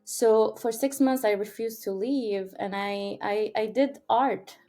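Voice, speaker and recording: Higher-voiced Syrian-born woman. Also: slow pace, faint music behind. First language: Arabic. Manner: earnest, animated, many fillers and restarts. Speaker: podcast guest. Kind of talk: conversational interview storytelling.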